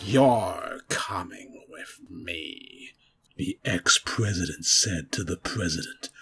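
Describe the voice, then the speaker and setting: A man's voice: on the low side, slight background noise. A man narrating a comic story in a dramatic, grandiose, mock-epic manner.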